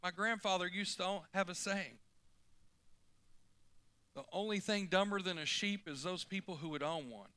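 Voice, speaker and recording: A male pastor preaching a folksy, animated sermon, often climbing suddenly to loud emphasis. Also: high-pitched, moderate pace, long pauses, no room sound.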